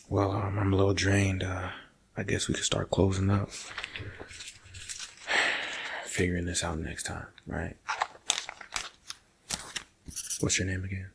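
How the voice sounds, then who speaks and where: A man playing a nervous night security guard in an ASMR roleplay, talking casually and haltingly to his partner and slipping into whispers. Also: sits low, creaky, husky, full character voice. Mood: drained, subdued.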